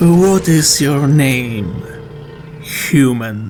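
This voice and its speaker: A man's raspy, put-on character voice. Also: medium pitch for a man. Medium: read story. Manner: formal, measured, disdainful of humans.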